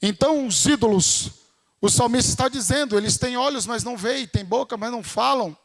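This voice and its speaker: Brazilian male preacher, very high voice, chatty church sermon that builds to shouting. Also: a little fast, in a large hall. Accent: Brazilian Portuguese. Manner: conversational preaching, rising to fervent shouts.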